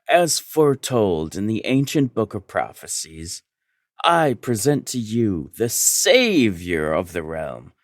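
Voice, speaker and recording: A deep-voiced, pompous court seer in a fantasy audio drama. His haughty proclamations are slow and swing dramatically in pitch, recorded dry and close. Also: darkish tone, no room sound, heavily acted. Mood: grand, ceremonial. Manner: grandiose, ceremonial, haughty. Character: pompous, impatient royal priest reciting prophecy.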